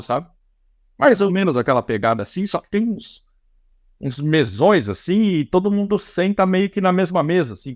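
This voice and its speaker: A man's voice: mid-range voice, dry recording, studio quality. A man with a Brazilian accent hosting a casual podcast interview, talking in loose, rambling sentences full of restarts and fillers. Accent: Brazilian Portuguese. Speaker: podcast host.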